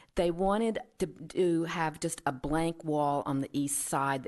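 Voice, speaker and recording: At a moderate pace, a woman talks with a Southern US accent against a quiet background. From US South. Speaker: retired board member. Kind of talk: speech at a public meeting. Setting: city council meeting. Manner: halting.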